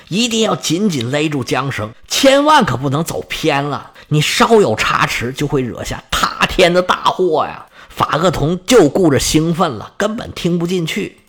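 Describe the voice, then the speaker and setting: Brief: male storyteller, husky, animated, slightly high. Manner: lively colloquial storytelling. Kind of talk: storytelling of myths.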